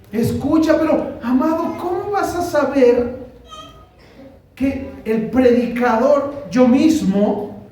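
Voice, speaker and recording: A man's voice: very high voice, a little mellow. A man with a Mexican Spanish accent preaching a conversational sermon as pastor, often asking the congregation questions. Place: church hall. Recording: very echoey hall from far off, faint noise.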